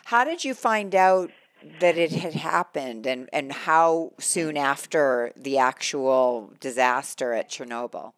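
A woman's voice: deep voice, expressive, slow, dry recording, rough recording. An American woman hosting a public radio show, reading scripted introductions and putting questions to a guest. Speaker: radio host. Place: radio studio.

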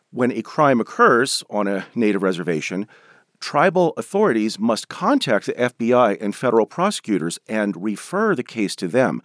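A man from Denver, an author and professor, giving measured, explanatory answers in a radio interview. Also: mid-range voice, no room sound, studio quality. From Denver, USA.

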